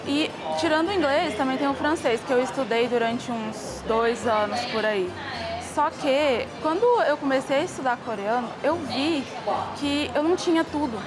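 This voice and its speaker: High-voiced earnest young woman. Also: moderate pace, crowd noise, low-quality recording. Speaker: interviewee. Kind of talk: casual interview testimony. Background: background music.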